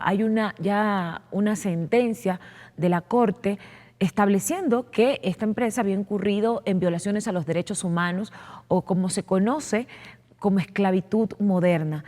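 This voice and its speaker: A woman's voice: medium pitch, darkish tone. Woman legislator, reverberant studio. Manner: earnest explaining with frequent "eh" fillers and repeated words. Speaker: legislator being interviewed. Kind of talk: televised political interview. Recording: long reverb.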